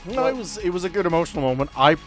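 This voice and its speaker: A man's voice: high-pitched, very animated, very fast. Man running a tabletop game over music. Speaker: game master. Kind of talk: narrating a tabletop roleplaying game podcast.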